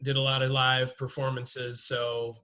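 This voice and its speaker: A man's voice: medium pitch, monotone, measured pace, background noise. A man in his forties on a video call, talking loosely, joking and swearing freely. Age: 40s. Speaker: guest. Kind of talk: casual chat on a video call. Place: dim room indoors. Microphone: video call webcam.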